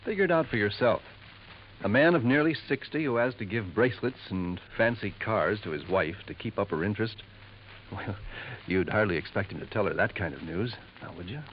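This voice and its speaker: A man voices a smooth jeweler in a 1950s radio mystery, lowering his voice to share gossip. His tone is confiding and insinuating, set a bit low. The old broadcast is dull with a faint hiss. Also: fairly quick, natural voice. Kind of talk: 1950s radio drama acting.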